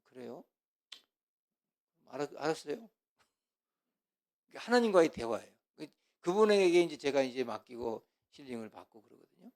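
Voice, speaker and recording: A man preaching as a pastor in an animated lecture, full of rhetorical questions and swinging from loud to hushed. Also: fairly high pitch, quick pace, few pauses. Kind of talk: sermon lecture.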